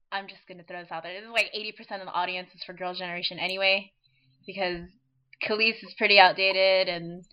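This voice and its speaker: A woman's voice: medium pitch, highs cut off. A woman hosting a casual online fan chat, rambling and laughing often as she talks. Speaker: podcast host.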